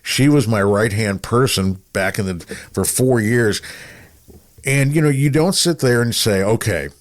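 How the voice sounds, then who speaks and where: A middle-aged American man with a low voice hosts a casual conversation. He rambles through his points in a wry, self-deprecating way. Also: measured pace. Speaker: radio broadcaster, podcast co-host. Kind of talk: casual chat.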